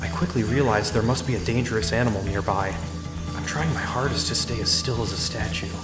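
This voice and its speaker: A man's voice: lowish voice, a little fast, natural voice. A man playing a mild, observant young tourist who narrates in the first person in an audio drama. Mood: tense. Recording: roomy echo, clear background music.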